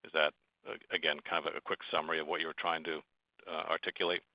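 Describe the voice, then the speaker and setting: On an earnings call, a man phoning in as an investor asks questions in casual, rambling phrasing, his extremely low, level voice moving fast. The recording is dry, and the telephone line sounds slightly muffled.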